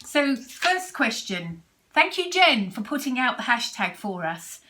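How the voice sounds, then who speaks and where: A woman's voice: a little high, big pitch swings, measured pace, pushed and bright, soft background music. A woman in her sixties from Britain with a British accent, chatting casually to camera about her sewing and rambling through restarts and asides. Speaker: sewing vlogger.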